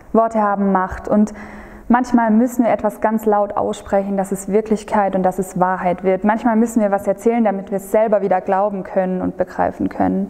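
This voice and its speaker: At a fairly quick pace, a woman speaks in a monotone, flat delivery at a medium pitch, with noticeable background noise. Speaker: preacher. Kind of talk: sermon. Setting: recorded video sermon.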